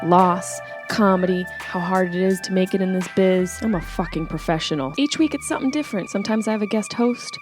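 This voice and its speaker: Brash woman host over music. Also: medium pitch. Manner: brash, profane, self-mocking. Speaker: podcast host. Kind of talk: recorded show intro. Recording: voice over clear music bed.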